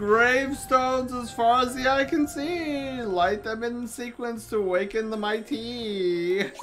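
A put-on character voice with a fairly high pitch moves at a fairly slow pace with hardly any pauses over clear background noise. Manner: spooky, eerie.

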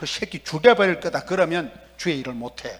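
A man with an animated tone and lively intonation. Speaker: pastor. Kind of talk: sermon. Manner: humorous colloquial. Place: church. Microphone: handheld.

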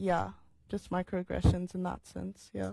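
A woman speaks over a quiet background. The sound is dry, with no echo. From South Africa. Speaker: university student; panelist. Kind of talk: panel talk; interview answer. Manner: hesitant, many fillers. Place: studio.

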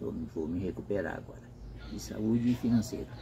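With noticeable background noise, a man speaks at a moderate pace in a dark, mellow tone with vocal fry. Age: 60s. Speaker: car mechanic. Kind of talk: personal testimony. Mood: earnest, somber about hardships. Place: workshop. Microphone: phone near.

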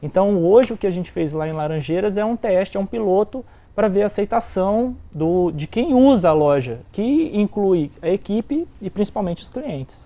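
A man's high-pitched voice with a dark, mellow tone, lively intonation, big swings in loudness, a moderate pace and hardly any pauses. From Brazil, Espírito Santo (Vitória). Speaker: business executive; guest. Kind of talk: TV interview. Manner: halting. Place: studio. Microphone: lapel.

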